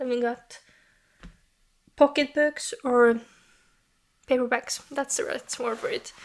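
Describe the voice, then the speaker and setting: The speaker has a Norwegian accent and lively intonation. Long pauses come often. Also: woman, high pitch for a woman, fairly slow pace. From Norway. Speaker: book vlogger. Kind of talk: casual vlog talk to camera. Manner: halting.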